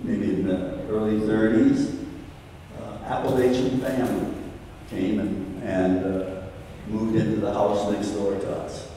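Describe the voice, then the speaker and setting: Amid noticeable background noise and audible room echo, a man with a fairly low pitch talks at a fairly slow pace, his intonation fairly even. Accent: American. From US Midwest, Cincinnati, Ohio. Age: 80s+. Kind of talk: onstage interview.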